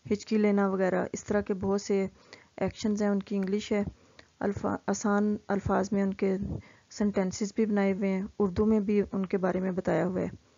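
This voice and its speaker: A woman teaching vocabulary, explaining each word and reading the example sentences out very slowly and deliberately. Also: medium pitch, little pitch movement, warm tone, muffled recording.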